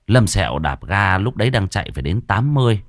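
A man telling a comic story in lively, colloquial narration. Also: low voice, fairly quick, no room sound, clean studio sound. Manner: lively colloquial narration with loud put-on voices. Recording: faint music behind.

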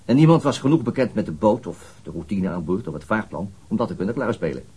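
A man's voice: fairly low pitch, animated, quick pace, mellow, slightly rough. A man playing a methodical middle-aged police detective and father in a naturalistic radio drama, dryly reasoning things through. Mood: patient, reasoning.

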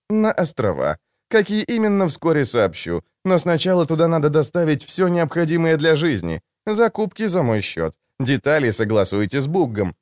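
A man reading a sly, talkative young male schemer who speaks in a mocking, deliberate way. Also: fairly high pitch, a little mellow, dry recording, studio quality, voice pushed up.

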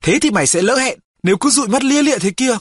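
Man voicing pushy teasing teen boy, high voice, impatient, dry sound. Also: animated, quick pace, slightly rough, dry recording, heavily acted. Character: pushy teenage boy friend, restless.

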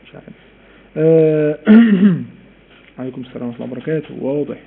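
Egyptian male recitation teacher, live-stream lesson, animated, quizzes listeners, tinny phone-like audio. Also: a little high, fast, vocal fry, very noisy. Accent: Egyptian Arabic. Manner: animated, repeats key points, asks students questions.

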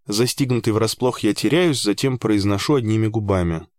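A man with a lowish voice reads a first-person story aloud in a steady, measured way. His tone stays dry and understated. The recording is close and dead, with no room sound. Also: no room sound. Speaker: audiobook narrator. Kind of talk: first-person audiobook narration.

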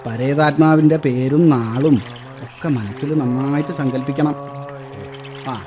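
An actor playing a businesslike Hindu priest in a radio drama, giving brisk, matter-of-fact ritual instructions. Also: male voice, mid-range voice, steady tone, music in the background, natural voice. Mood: instructing.

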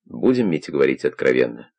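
A man reading the part of a calm, kindly older investigator who questions in a persuasive, probing way. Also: a bass voice, fast talker, gravelly, breathy edge, pitched below the performer's own voice, heavily acted.

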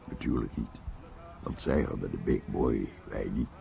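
Very deep, gravelly war veteran. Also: male voice, measured pace, mellow, full character voice. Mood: wistful reflection. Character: old American war veteran recalling his bomber pilot comrade. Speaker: voice-over of a veteran's testimony. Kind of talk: documentary radio play monologue. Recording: dull, noisy radio recording.

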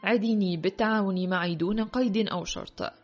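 A woman's voice: medium pitch, fairly quick, natural voice. A woman voicing a commanding older queen who speaks firmly, in a dull lo-fi recording with faint music behind. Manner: firm and decisive.

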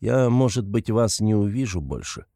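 A man's voice: lowish voice, very animated, normal speed, gravelly, warm tone, no echo, clean studio sound. A man reading an audiobook, voicing a gloomy, brooding young man who speaks in an abrupt, sullen way.

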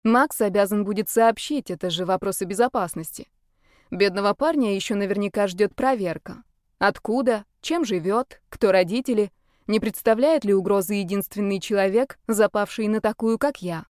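A woman narrating a first-person audiobook in a measured, even reading. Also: medium pitch, no echo, studio quality.

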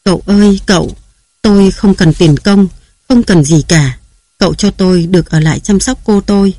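A man's voice: sits high, normal speed, mellow, no echo. A man reading aloud who voices a timid old woman servant, humble and beseeching.

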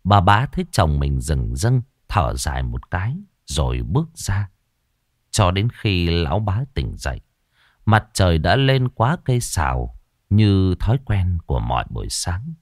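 A man reading a ghost story aloud in a steady storytelling manner. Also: sits low, unhurried, no room sound, clean studio sound. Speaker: narrator.

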